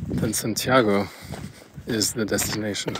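Noticeable background noise behind a man's fairly low-pitched voice. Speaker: travel vlogger and pilgrim. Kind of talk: vlog narration while walking. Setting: outdoors on a trail at night.

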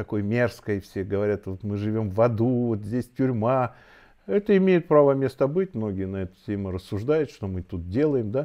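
Behind this man, the background stays quiet. He speaks at a moderate pace. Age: 60s. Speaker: numerologist; numerology teacher. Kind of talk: interview. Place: home room.

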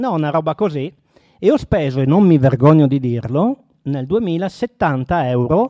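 Against a quiet background, the man's voice has a dark, mellow tone. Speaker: presenter. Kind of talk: casual presentation talk. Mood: humorous, self-deprecating. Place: hall.

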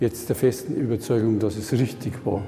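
Faint music plays in the background behind a man speaking. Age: 70s. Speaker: artist, painter. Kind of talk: interview answer. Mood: earnest, reflective, hopeful. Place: hall. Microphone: lapel.

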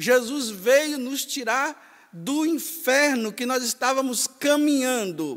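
Against a quiet background, a man is speaking. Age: 50s. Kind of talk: homily. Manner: conversational, informal. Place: church. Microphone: podium.

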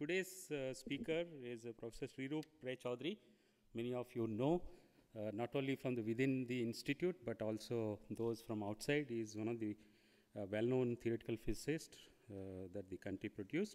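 A man with a normal speaking voice, medium pitch, ordinary pitch variation and a moderate pace. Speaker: event chair. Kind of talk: formal introduction. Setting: stage with audience. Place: hall. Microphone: podium.

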